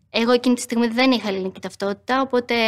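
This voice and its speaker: A woman talks in a normal speaking voice, her pitch fairly high and her intonation fairly even. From Greece. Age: 20s. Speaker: panel discussion participant. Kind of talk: panel discussion.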